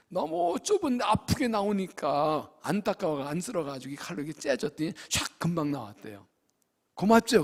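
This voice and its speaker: A man preaching a sermon as pastor, with sudden loud rises and soft drops, acting out pleading prayers. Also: medium pitch, vocal fry, husky. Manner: acts out prayers and quotes in a pleading voice. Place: church sanctuary. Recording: long reverb of a church hall.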